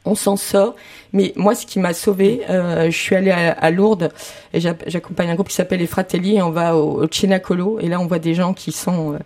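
A woman's voice: fairly low pitch, steady tone, fairly quick, darkish tone. Hesitant woman in her fifties, testifying. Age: 50s. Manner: hesitant, many fillers and restarts, grows more emphatic. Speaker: guest sharing a testimony. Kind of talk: personal testimony on a discussion panel.

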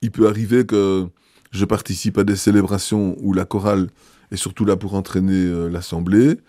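Male bishop, interviewed; mellow, low tone, hesitant and measured delivery. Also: flat delivery, no echo, studio quality. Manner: thoughtful, hesitant, frequent filler pauses. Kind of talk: interview answers.

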